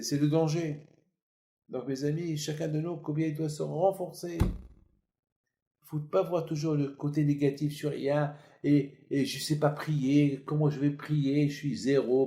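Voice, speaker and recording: A man's voice: on the high side, vocal fry, dark tone. A man, a rabbi, giving a sermon with emphatic, repetitive phrasing. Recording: echoey room.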